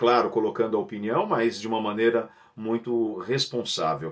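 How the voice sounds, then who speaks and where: A man speaks at a medium pitch and moderate pace with ordinary pitch variation. The background is quiet. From Brazil (São Paulo). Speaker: radio and advertising voice-over announcer. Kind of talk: casual radio-style talk giving an opinion. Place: studio. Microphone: phone near.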